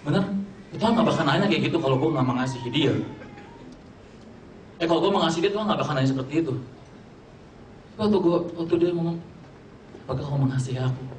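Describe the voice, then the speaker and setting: A man's voice: a little high, lively intonation, quick pace, pauses often, a little hiss or hum. A young man preaching a casual sermon, mixing slang and English and joking with his audience. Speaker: youth preacher. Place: church hall. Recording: echoey hall, distant mic, faint ambience.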